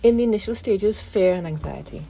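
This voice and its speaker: A woman physician giving a radio interview, with a croaky voice from a damaged vocal cord nerve, explaining things calmly with many pauses. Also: mid-range voice, a little hiss or hum, rough recording. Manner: calm, explanatory, pauses often.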